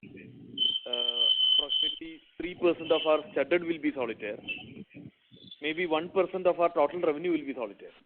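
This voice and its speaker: On a narrow, phone-like conference line, an Indian-accented executive answers investors during an earnings call against a noisy background. His voice is a little high, with wildly swooping pitch, at normal speed.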